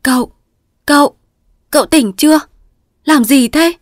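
A woman voicing a worried young wife coaxing her sick husband, in a soft calling manner. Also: fairly high pitch, a little fast, no echo, studio quality, voice pushed up, close to an everyday voice. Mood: alarmed. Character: anxious, patient young wife.

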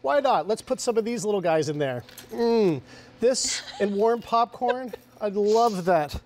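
A man's voice: high voice, expressive, measured pace, darkish tone, slight background noise. A middle-aged man giving a casual, enthusiastic live cooking demonstration for shopping television, talking as he works. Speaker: guest product demonstrator and cook. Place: TV studio kitchen set.

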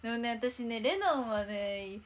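A woman's voice: on the high side, lively intonation, measured pace. Bubbly young woman chatting on a livestream. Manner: chatty, bubbly, reads comments and thanks viewers. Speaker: idol livestreamer. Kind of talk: casual livestream chat.

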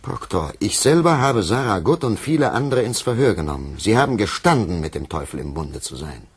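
An actor playing a stern, earnest Puritan clergyman in a German radio play, questioning in a formal, deliberate way. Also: fairly low pitch, big pitch swings, slightly rough. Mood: shocked, urgent.

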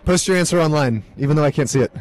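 Young man, high voice, sports commentator, deadpan joking asides, live play-by-play. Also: racing, poor audio.

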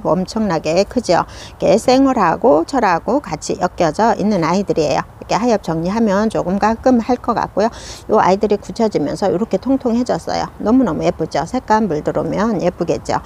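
A woman's voice: mid-range voice, expressive, fairly quick, few pauses, darkish tone, slight background noise. A woman hosting a casual succulent showcase, gushing and exclaiming over how pretty each plant is. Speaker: succulent shop video host.

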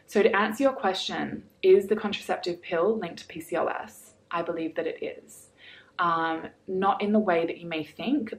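A woman's voice: on the low side, rough recording. A young woman speaking to camera as a holistic health coach, earnest and flowing, with lots of "like" and "you know". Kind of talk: direct-to-camera advice vlog.

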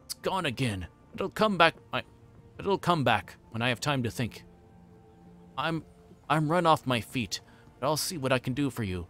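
A man voicing a bustling, forgetful fat innkeeper in a storybook reading, rambling on in a hurried, folksy way. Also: mid-range voice, expressive, fairly bright tone, faint music behind, natural voice. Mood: flustered, friendly. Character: flustered, bustling, chatty fat middle-aged male innkeeper.

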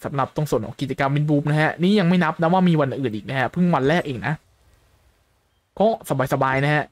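A man's voice: fairly high pitch, brisk, no echo. A man giving a casual game guide, chatting as he explains rewards and events step by step. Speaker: gaming YouTuber.

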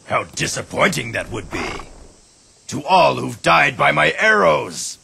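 An actor voicing a proud veteran male archer general in a video game cutscene, with a rough, gravelly voice. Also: on the high side, very animated, measured pace, pushed and bright, a little hiss or hum, heavily acted. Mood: confident.

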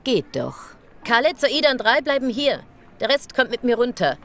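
A woman's voice: on the high side, big pitch swings, moderate pace, fairly bright tone. An actress playing a hard, sardonic female police commissioner in a radio play, commanding and condescending. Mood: harsh, impatient. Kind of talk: German radio play acting. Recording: rough unfinished mix, clear street and vehicle noise.

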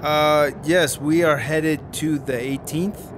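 An actor playing a carelessly optimistic American slacker in a radio drama, talking casually and slangily in an American accent. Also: male voice, a little high, fairly even intonation, slow, noisy background. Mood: breezy, reassuring.

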